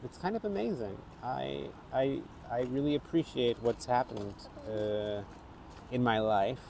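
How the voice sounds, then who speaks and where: A middle-aged man with a North American accent, an actor reflecting on his life in a thoughtful, halting way with frequent restarts. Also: mid-range voice, creaky, warm tone, slight background noise. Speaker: actor and theatre maker. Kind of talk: reflective personal vlog.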